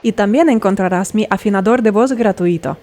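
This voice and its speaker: A woman's voice: mid-range voice, a little fast, warm tone, soft background music. A woman singing teacher explaining vocal technique step by step and checking in with the listener.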